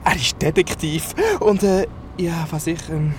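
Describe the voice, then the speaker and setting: A woman's voice: low-pitched, steady tone, unhurried, slight background noise. A woman with a Swiss German accent, playing a flamboyant, theatrical trans woman who is easily flustered, in an audio drama. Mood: agitated. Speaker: main character in an audio drama.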